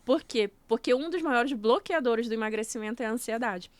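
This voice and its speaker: A woman with a fairly high voice talks as a podcast guest, laying out her points one step at a time. Her comes through in easy, casual speech. The sound is close and dry, with no room behind it. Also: brisk, dry recording. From Brazil. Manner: explanatory, walks through steps one by one. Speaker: guest, nutrition coach.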